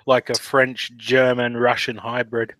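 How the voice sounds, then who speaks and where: Man, player, casual table chat, quick jokes, mid-pitched voice. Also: little pitch movement, a bit bright, dry recording. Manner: joking, quick quips.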